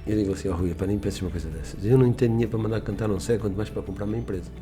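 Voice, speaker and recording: Over music, a fairly low-pitched male voice talks very fast. He is a middle-aged Portuguese business owner being interviewed on radio in a studio, telling rambling, emphatic stories with restarts and quoted dialogue.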